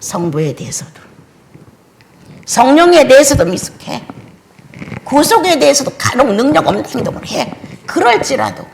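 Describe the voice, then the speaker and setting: An older woman preaching a sermon, swinging between loud exclamations and hushed whispers. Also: sits high, wildly swooping pitch, moderate pace, gravelly, long pauses, slight background noise. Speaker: pastor.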